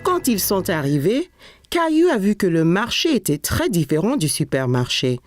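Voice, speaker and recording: A woman playing a gentle storyteller who narrates a children's cartoon in scripted storybook style. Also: fairly low pitch, very animated, normal speed, no room sound, soft background music. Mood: storytelling. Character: gentle storyteller narrating a small boy's day.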